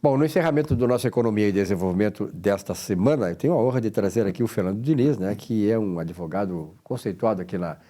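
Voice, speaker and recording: A man hosting a studio talk show, affable and quick with his guests. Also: lowish voice, warm tone, slight background noise.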